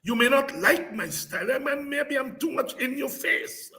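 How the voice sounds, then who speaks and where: Fiery high-voiced man orating. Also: animated, moderate pace. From Guyana. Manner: fiery, declamatory, repeats phrases for emphasis, breaks into shouts. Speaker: podcast host and political speaker. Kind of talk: impassioned political address.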